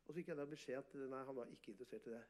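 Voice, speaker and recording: A man, an artist and photographer, telling animated, boastful stories in an interview and often laughing. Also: medium pitch. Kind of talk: casual storytelling interview.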